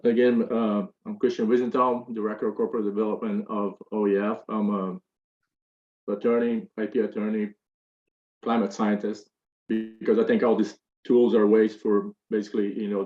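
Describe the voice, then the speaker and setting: A man's voice: fairly low pitch, darkish tone. A man asking a long, hesitant question from the audience at a panel, with many fillers and restarts. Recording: roomy, dull room audio.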